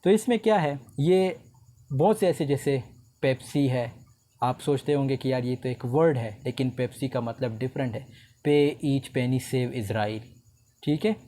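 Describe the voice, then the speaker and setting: A man giving a recorded lecture, reading English definitions slowly and explaining them in a relaxed conversational way. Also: medium pitch. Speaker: teacher.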